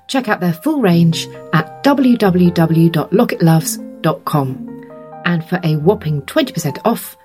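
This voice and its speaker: A British woman hosting a podcast with a scripted introduction, her voice low, husky and gravelly from a cold. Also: dark tone. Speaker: podcast host.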